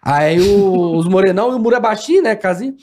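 A young man, telling stories in a rapid, animated casual chat and acting out the people he quotes. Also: sits high. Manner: rapid, animated storytelling, acts out quotes and shouts.

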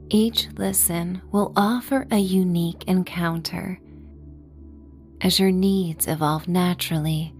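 Soft breathy lady doing a sleep story, lowish voice, really slow and gentle, almost whispery. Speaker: podcast host and meditation guide. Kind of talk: soothing sleep story narration.

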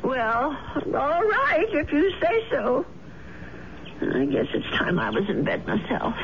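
A woman's voice: high voice, wildly swooping pitch, takes it slowly, exaggerated voice. An actress playing a kindly, fussing old landlady in a 1970s radio drama, with a quavering, motherly way of talking. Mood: concerned. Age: older. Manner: chatty, fretful, motherly. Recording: noisy, muffled old radio broadcast.

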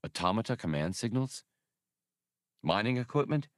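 A man's voice: lowish voice, big pitch swings, normal speed, no echo. A cocky, practical smuggler pilot from a space adventure audiobook, read by a male narrator. He speaks directly in a man's voice, recorded dry and close. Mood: alert.

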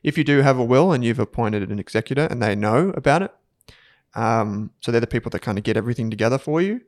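A man co-hosting a finance podcast, talking in a relaxed, conversational way. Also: mid-range voice, quick pace, no echo. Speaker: podcast co-host. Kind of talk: casual finance podcast chat.

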